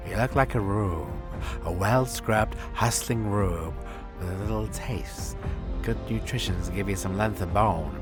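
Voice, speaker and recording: A man acts out a cultured killer with a low voice, picking at his listener with precise condescension. He is sinister and menacing, in a film-monologue style, with music clearly behind him. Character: cultured, menacing male serial killer taunting an agent.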